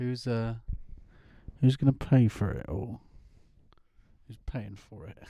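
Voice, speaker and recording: Quiet, fairly slow speech in a British accent with long, frequent pauses. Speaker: DJ and music producer streamer. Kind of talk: casual live stream chat. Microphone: broken mic stand, mic off to the side, quiet.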